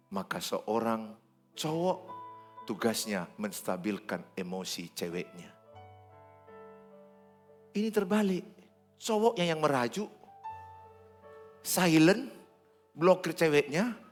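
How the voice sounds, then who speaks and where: A man, preaching a sermon in church in an animated, joking way. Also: fairly low pitch. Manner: animated, joking, acts out dialogue. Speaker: pastor.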